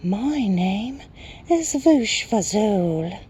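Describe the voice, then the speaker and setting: High, breathy night goblin. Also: male voice, animated, very slow, darkish tone, a little hiss or hum, full character voice. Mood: curious, delighted. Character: moon-eyed night goblin creature, eager and whispery.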